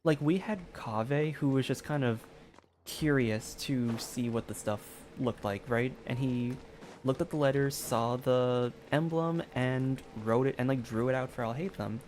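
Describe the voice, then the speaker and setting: A man's voice: medium pitch, unhurried, a little mellow, slight background noise. A man giving casual, rambling game commentary in a hesitant way, often saying "like". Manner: hesitant, peppered with "like". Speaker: video game streamer. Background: background music.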